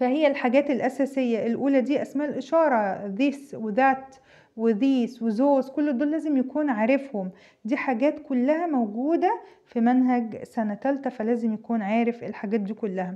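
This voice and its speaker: A woman speaks with a high pitch and a dark, mellow tone. Her pace is moderate and her pitch variation ordinary. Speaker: primary school teacher. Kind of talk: advice talk to parents.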